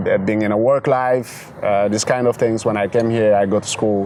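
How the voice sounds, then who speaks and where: Noticeable background noise accompanies a man speaking in a monotone, flat intonation. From Ethiopia. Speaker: former tourist guide. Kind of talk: casual interview. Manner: halting.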